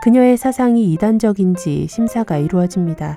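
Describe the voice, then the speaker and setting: Music plays in the background as a woman talks at a moderate pace. Her pitch sits in the medium range. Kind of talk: educational history narration.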